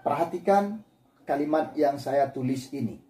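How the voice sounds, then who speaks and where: A man's voice: fairly high pitch, expressive, normal speed, warm tone, reverberant. A man teaching a language lesson, explaining patiently and acting out example intonations. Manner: demonstrates intonation by repeating words. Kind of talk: classroom lecture.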